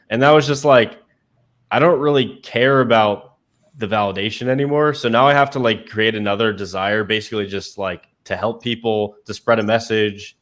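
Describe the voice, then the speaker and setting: Reflective, probing male co-host. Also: mid-range voice. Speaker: podcast co-host. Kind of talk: casual chat.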